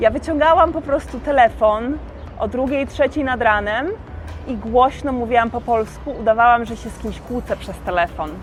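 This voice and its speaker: Music plays in the background as a woman speaks at a moderate pace with a fairly high pitch. Her pitch varies in an ordinary way, and her loudness swings a lot. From Poland. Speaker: vlogger. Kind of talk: casual vlog monologue.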